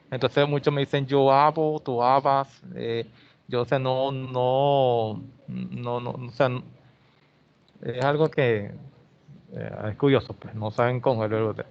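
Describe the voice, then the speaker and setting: A man's voice: mid-range voice, fairly even intonation, unhurried, pauses often, smooth. A male English teacher, explaining grammar in an online class and often checking in with "ok?". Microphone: video call. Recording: slightly dull video-call audio.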